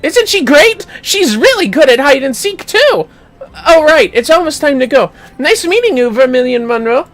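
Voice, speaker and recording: Bubbly small child, game character, very high and animated, eager exclamations. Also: moderate pace. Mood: excited, chatty. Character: eager, excitable little child who adores hide and seek.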